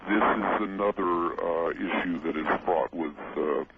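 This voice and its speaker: A man on a radio call-in, his voice run through a voice changer, speaking haltingly and often restarting his words. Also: deep voice, vocal fry. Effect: voice changer disguising his voice. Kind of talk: radio interview. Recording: tinny phone line with loud hiss.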